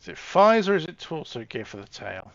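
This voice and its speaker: A man's voice: a little high, big pitch swings, fairly quick, no room sound, highs cut off. A man casually chatting with his live-stream audience while setting up soldiers in a game, often trailing off and restarting.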